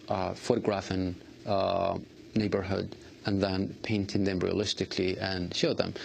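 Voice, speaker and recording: A man answering interview questions earnestly, halting often with fillers and restarts. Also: low voice, gravelly, slight background noise. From Iraq. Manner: halting, many fillers and restarts, non-native grammar. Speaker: artist guest.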